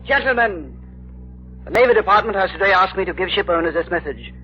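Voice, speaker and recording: An actor playing a formal, authoritative Navy admiral in a 1930s radio drama. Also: male voice, high-pitched, lively intonation, a little fast, faint music behind. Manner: formal, official. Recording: dull old radio broadcast.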